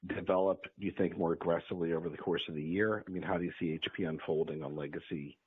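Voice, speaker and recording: Male analyst on a phone line, very low and rough-edged, formal and wordy questioning. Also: fairly even intonation, fast talker. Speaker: analyst caller. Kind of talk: formal questioning on an earnings call. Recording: narrow tinny phone line.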